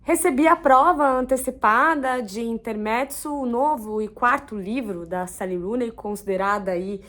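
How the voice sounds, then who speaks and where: A woman's voice: on the high side, moderate pace, a bit bright. A woman in her thirties with a Brazilian Portuguese accent, chatting casually through a book review and dropping frequent tag questions. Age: 30s.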